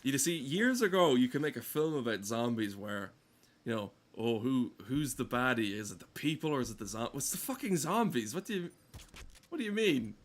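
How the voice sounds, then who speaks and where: A man's voice: medium pitch, expressive, normal speed. A man giving casual, rambling gameplay commentary in a sardonic, exasperated and sweary way. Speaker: game streamer.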